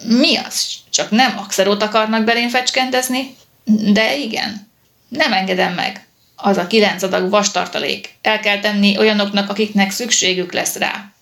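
A woman reading the lines of a calm, weary old male police captain in an audiobook. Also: mid-range voice, vocal fry. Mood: stubborn refusal.

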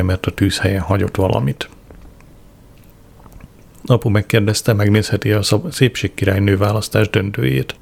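A man reading a comic diary aloud as an audiobook narrator, with a dry, deadpan delivery. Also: lowish voice.

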